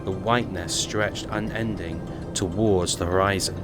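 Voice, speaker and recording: Low-pitched man narrating over music. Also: steady tone, normal speed. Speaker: audiobook narrator. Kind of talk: dramatic scripted narration.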